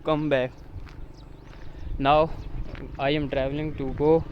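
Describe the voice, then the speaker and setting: A man whose first language is Urdu talks to the camera outdoors in hesitant English, pausing often on filler sounds. His voice sits a little high. Faint traffic and outdoor noise run underneath. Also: flat delivery, lo-fi sound. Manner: halting non-native English, frequent uh fillers. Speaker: vlogger. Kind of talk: casual outdoor vlog. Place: outdoors in a village near a road.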